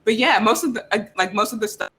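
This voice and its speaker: A young man with a high, bright, forward voice. He chats informally on a panel, halting and restarting as he goes, a little self-effacing. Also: animated. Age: young adult. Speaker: audio drama creator on a panel. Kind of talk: casual chat.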